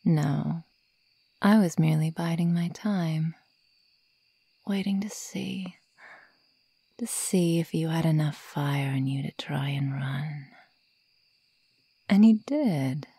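A woman voicing a sadistic, predatory werewolf girl who taunts her prey in a breathy whisper, in an ASMR roleplay. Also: low voice, mellow, dry recording, exaggerated voice. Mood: taunting, amused menace. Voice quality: breathy, mostly whispered, creaky. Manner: slow, taunting, menacing.

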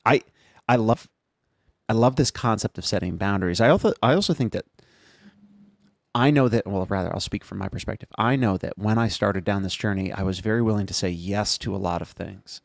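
A man's voice: on the low side, brisk, vocal fry, no room sound, studio quality. A man co-hosting a coaching podcast, talking candidly and with self-deprecating asides in casual discussion.

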